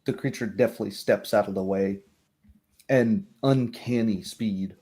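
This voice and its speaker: A man working as a game master, narrating a tabletop roleplaying game in a measured, descriptive storytelling manner. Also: fairly low pitch, warm tone, breathy edge.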